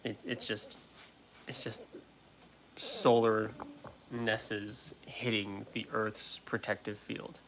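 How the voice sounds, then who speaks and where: An American man in his late twenties hosting a casual livestream chat, talking in a halting, repetitive way that often interrupts itself. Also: lowish voice, little pitch movement, fairly bright tone, a little hiss or hum. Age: late 20s. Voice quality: trouble pronouncing R sounds. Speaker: livestream host. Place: at home.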